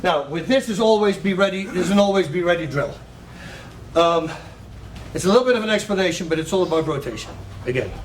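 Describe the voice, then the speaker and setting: Far from the camera in a roomy gym hall, a martial arts coach with a high voice directs a striking class, counting combinations over punch sounds and calling out cues. His intonation is lively and his pace a little fast, with faint noise in the background.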